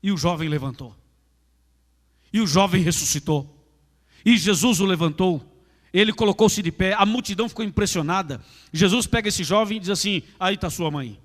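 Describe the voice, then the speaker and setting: Preaching in an echoey hall of a large church, this Brazilian pastor has a high voice, a normal pace and frequent pauses. His Brazilian Portuguese-accented sermon is emphatic and repetitive, aimed straight at the congregation.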